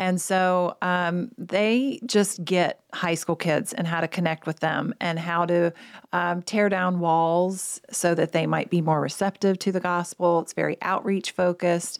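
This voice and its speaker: Using an ordinary speaking voice, a woman talks at a fairly slow pace with fairly low pitch and fairly even intonation, recorded very clean with a silent background and a dry, close sound with no echo. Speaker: school co-founder. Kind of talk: radio interview. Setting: studio.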